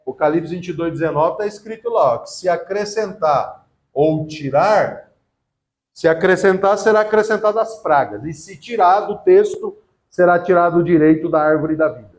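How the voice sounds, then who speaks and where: A middle-aged man giving a classroom theology lecture, lively and often asking the class questions. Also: sits high, normal speed. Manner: lively, asks the class questions and acts out quotes. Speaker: theology teacher.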